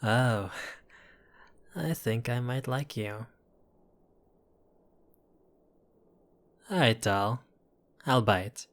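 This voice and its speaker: Slow-talking, charming mobster played by a man. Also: mid-range voice, lightly acted. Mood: amused, charmed. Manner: unhurried, flirtatious, wry, addressing listener as doll. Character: apologetic, charming mobster, exasperated yet courteous. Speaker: voice actor in audio roleplay. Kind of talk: intimate audio roleplay acting.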